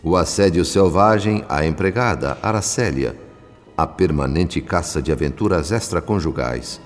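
Brazilian man, low-pitched, solemn radio soap narrator, formal measured delivery, clear music bed. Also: darkish tone. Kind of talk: scripted dramatic narration, literary radio soap. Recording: long reverb, music behind. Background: background music.

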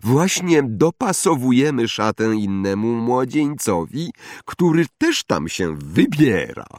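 A man's voice: mid-range voice, very animated, slow, darkish tone, no echo, clean studio sound, voice pushed up. A man voicing a squat, smiling witch who runs a robe shop and calls customers sweetie. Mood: cheerful. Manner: chirpy, doting. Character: squat cheerful older witch tailor.

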